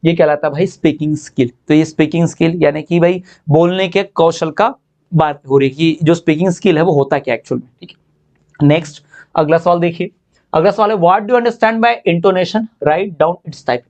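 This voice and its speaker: A high-voiced man gives an exam-prep lecture. He explains mostly in Hindi, often asking and answering his own questions. When he reads the English definitions, he slows down sharply. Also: a little mellow. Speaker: teacher.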